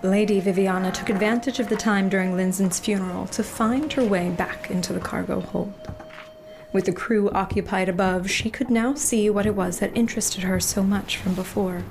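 A woman reading scripted dark fantasy narration in a measured, literary storytelling manner. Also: mid-range voice, fairly even intonation, noisy background.

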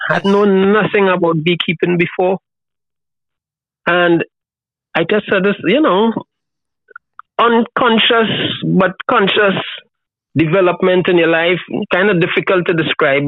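A man's voice: high voice, no room sound. A seventy-year-old man with a Trinidadian accent, talking in an easygoing, reflective, colloquial way as an interview guest over a call. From Trinidad and Tobago. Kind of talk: casual conversational interview. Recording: thin, phone-like call audio.

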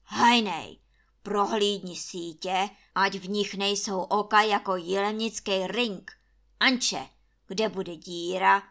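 A bossy old lord of the estate, shouting commands in a storybook tale. A woman reading aloud puts him on, loud and forceful. He swears and will not be contradicted. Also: medium pitch, lightly acted.

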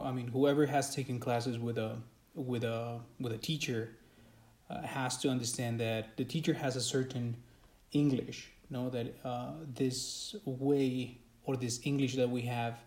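A man's voice: mid-range voice, steady tone, measured pace, darkish tone. A man hosting an English-learning podcast, friendly and hesitant with many fillers. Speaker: podcast host and English teacher. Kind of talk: casual interview chat. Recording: echoey room.

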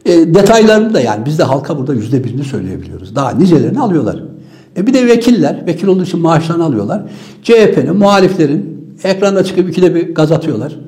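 A man's voice: on the high side, sing-song, fast, dark tone. A man giving an impassioned political monologue, fiery and scornful, firing off rhetorical questions and sounding weary. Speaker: political commentator.

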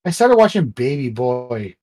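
A man co-hosting a podcast, chatting casually, halting and repeating words as he searches for what to say. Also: medium pitch, very animated, crowd noise. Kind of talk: casual chat.

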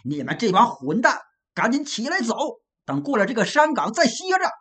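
Yang Zhi, a woman doing a gruff barking officer. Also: fairly high pitch, huge pitch swings, moderate pace, fairly bright tone. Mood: angry. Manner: barking, scolding orders. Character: stern hot-tempered male escort officer.

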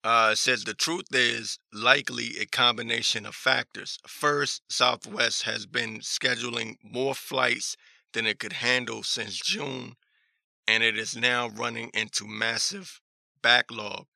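Hoarse, gravelly man hosting talk. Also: medium pitch, fairly even intonation, sharp tone, dry recording. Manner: halting, repeats phrases, skeptical. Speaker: talk show host. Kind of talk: casual news commentary, reading articles aloud.

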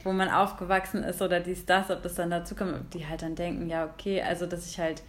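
A woman's voice: on the low side, little pitch movement, quick pace. A young woman from Germany chatting casually, leaning on fillers. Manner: chatty, leans on fillers like halt and ähm. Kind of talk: casual chat.

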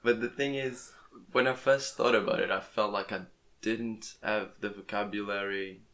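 Hesitant young man, low and flat. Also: moderate pace. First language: Portuguese. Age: young adult. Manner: hesitant, restarts words often. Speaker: podcast host. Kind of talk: casual interview chat. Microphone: plugged-in podcast microphone.

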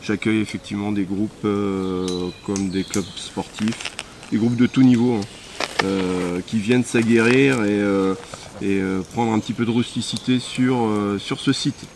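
A man with a fairly low voice talks about his volunteer sports group. He pauses often and fills gaps with hesitations. Faint outdoor noise is heard behind him. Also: fairly even intonation. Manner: hesitant, many "euh" fillers. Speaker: volunteer sports association president. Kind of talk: casual interview answers. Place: outdoors at a rural hamlet.

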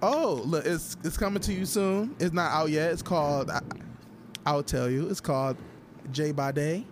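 Higher-voiced African American man, casual chat. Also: normal speed, background noise. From Toledo, Ohio, USA. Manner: repeats and restarts phrases emphatically.

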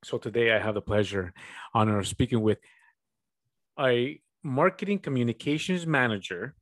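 A man's voice: medium pitch, normal speed. A man hosting a casual interview podcast on a video call, friendly and upbeat, with fillers and laughs. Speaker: podcast host.

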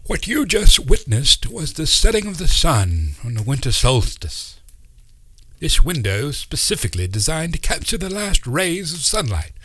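A man voicing an eccentric, excitable old uncle who rambles in a fussy, theatrical way. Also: fairly high pitch, normal speed, husky, no echo, pitched above the performer's own voice, full character voice. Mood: delighted.

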